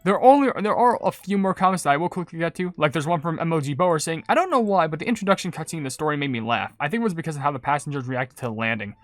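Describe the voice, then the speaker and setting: A man's voice: a little high, lively intonation, racing, few pauses, no room sound. A man hosting a gaming video, giving casual, informal reaction commentary and reading comments. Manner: chatty, informal. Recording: dry close mic, game music behind. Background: soft game music.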